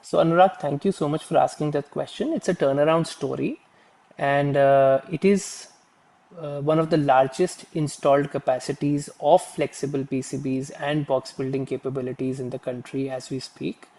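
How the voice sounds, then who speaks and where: Gravelly Indian man, formal executive. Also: fairly high pitch, fairly even intonation, moderate pace, a little mellow. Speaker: company executive answering analyst questions. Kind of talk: earnings conference call Q&A.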